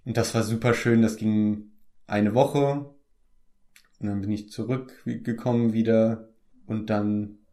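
An easygoing young man from the Palatinate talking about his acting work in a relaxed interview. His voice sits a little low. He hesitates often, restarting sentences and filling pauses. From Germany, Palatinate. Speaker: actor. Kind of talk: casual interview chat.

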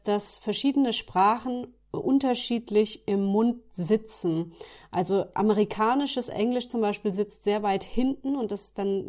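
A woman's voice: medium pitch, a little mellow. A woman interviewing a singer, speaking thoughtfully with small hesitations as she explains her ideas. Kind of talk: conversational interview.

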